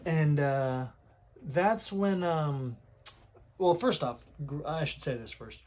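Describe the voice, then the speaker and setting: A man retelling a manga chapter in casual commentary, rambling with many fillers and clearing a sore throat now and then. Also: a little high, animated, slow pace, darkish tone. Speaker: manga reviewer.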